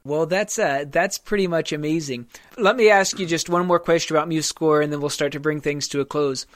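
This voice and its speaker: A man's voice: a little high, a little fast, fairly bright tone, dry recording, clean studio sound. A man hosting a casual podcast interview in an easygoing, friendly way. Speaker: podcast host.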